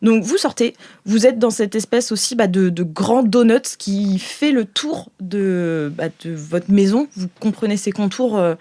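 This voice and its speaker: A woman's voice: mid-range voice, measured pace, few pauses, dark tone. A woman game master improvising narration for a sci-fi audio role-playing game in an informal, playful, slangy way.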